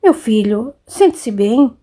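A worried, gentle mother in an audiobook, voiced by a woman reader, coaxing and questioning softly in a somewhat high, mellow voice. She sounds caring and persistent. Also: animated, slow. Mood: concerned.

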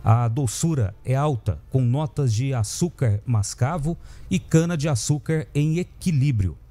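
A man in his thirties presenting radio news in a studio, reading in a steady, measured way. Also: fairly high pitch. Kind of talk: read news report. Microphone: studio mic on a boom.

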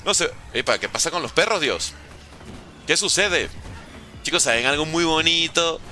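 A man's voice: on the high side, expressive, moderate pace, pushed and bright, faint music behind. A man from Venezuela, a gaming streamer chatting casually from home, reading chat aloud and joking with viewers. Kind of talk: casual live-stream chat while playing. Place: at home, room with a window.

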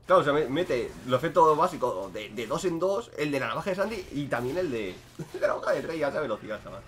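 A young man talks over his gameplay in a casual, joking way. His voice sits a touch high for a man and leaps around a lot, from loud sudden outbursts down to quiet muttering asides. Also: very animated, quick pace, a little hiss or hum. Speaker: gaming streamer.

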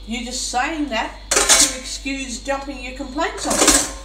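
A woman's voice: high voice, a little slow. A woman venting in an exasperated, casual monologue while eating, her mouth sometimes full. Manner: exasperated, complaining. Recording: roomy, noisy, far from the mic.

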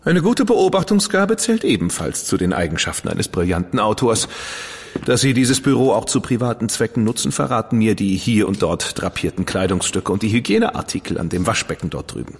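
Flowery playful dandy writer, husky, theatrical, radio play with long reverb. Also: male voice, lowish voice, expressive, a little fast. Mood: amused, flowery. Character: witty flamboyant dandy writer, man. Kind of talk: German studio radio drama acting.

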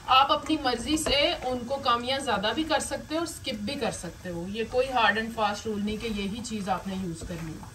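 A woman with a fairly high voice talks casually through a home recipe, explaining every step to her viewers. She sounds a little away from the mic. The kitchen noise behind her is clear. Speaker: home cooking host. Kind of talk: casual cooking demonstration. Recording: distant mic with noisy kitchen background.

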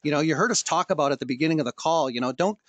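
Middle-aged male host, mid-pitched, joking and chatty, dry close sound. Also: very fast, fairly bright tone, no echo, highs cut off. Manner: jokey, chatty, laughs often. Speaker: host and voiceover coach. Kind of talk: casual webinar chat.

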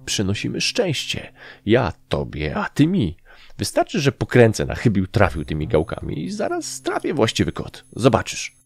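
A man's voice: lowish voice, wildly swooping pitch, normal speed, vocal fry, husky, soft background music, pitched above the performer's own voice, exaggerated voice. A man voicing a cocky little male sprite, a confident and grandiose sweet-talker in an audiobook. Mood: encouraging. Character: small male kobold-like sprite, cocky, scheming, sweet-talking. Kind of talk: audiobook character acting.

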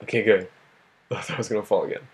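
A young man with a husky, worn voice that he is losing, giving casual gameplay commentary, swearing and talking to himself. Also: lowish voice, fairly even intonation, fast talker. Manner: swears a lot, laughs often, talks to himself. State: losing his voice. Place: home at night.

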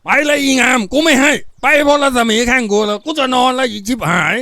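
A man voicing a crude, bullying, stingy male brothel customer in a story, snarling and jeering gruffly. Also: sits high, expressive, a little fast, sharp tone, no echo, studio quality, pitched above the performer's own voice, full character voice.

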